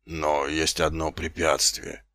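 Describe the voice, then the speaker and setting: Guy reading aloud, doing a low slow grumpy sergeant, dry close sound. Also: flat delivery, fairly bright tone, no echo, exaggerated voice. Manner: slow, ponderous, deep. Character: slow cautious middle-aged sergeant, fond of comfort. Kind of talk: audiobook character voice.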